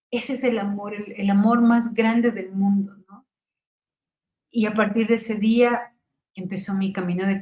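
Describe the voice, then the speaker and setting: A middle-aged woman from Ecuador giving an emotional personal testimony, fervent, her voice rising to near-shouts and falling to soft murmurs. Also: a little high, reverberant, rough recording.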